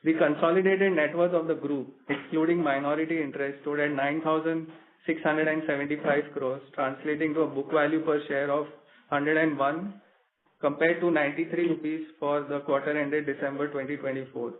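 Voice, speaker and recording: A male company executive reading out prepared financial results in a steady, measured way. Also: on the high side, slight background noise. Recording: tinny phone line.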